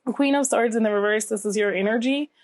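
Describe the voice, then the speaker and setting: A woman's voice: a little high, quick pace. Woman with a slightly nasal, scratchy voice. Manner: conversational, often checking in with "okay?" and "right?". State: getting over a cold. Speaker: tarot reader, channel host. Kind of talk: casual tarot reading to viewers.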